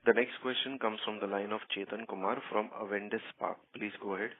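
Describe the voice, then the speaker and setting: A man's voice: on the low side, fairly even intonation, fairly quick. A man acting as conference call moderator, making formal, scripted announcements. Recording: dry, narrow phone line.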